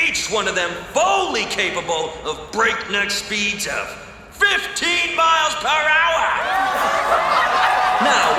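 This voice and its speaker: High-pitched, brazen race showman, echoing. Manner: bombastic showman patter, shouting to a crowd. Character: brazen, charming showman, emcee of illegal scooter races. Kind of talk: acted audio drama, race emcee speech. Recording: echoey, distant announcer over noisy crowd.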